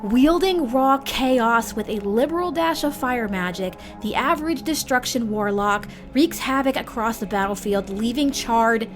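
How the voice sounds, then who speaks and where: A woman hosting a guide series, reading scripted narration in a measured, theatrical manner with formal phrasing. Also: fairly high pitch. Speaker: host of a roleplay guide series.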